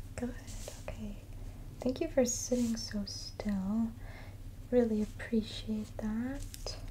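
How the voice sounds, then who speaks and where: Soft-spoken, a woman talks at a very slow pace with long, frequent pauses. Light background noise runs behind her. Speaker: ASMR creator. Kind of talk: ASMR personal attention roleplay.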